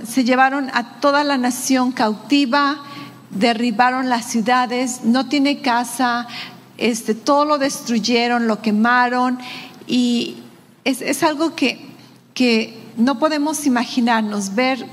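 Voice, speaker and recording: A woman pastor delivers a sermon in a higher-pitched voice, speaking directly to her listeners with a string of rhetorical questions. The sound carries a long reverb, as in a large church hall. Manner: conversational preaching with rhetorical questions.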